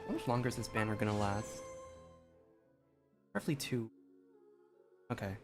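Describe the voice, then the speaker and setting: A man's voice: on the low side, expressive, normal speed. Casual male gamer thinking aloud. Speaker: gamer, streamer. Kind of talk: casual gameplay commentary. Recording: game music behind.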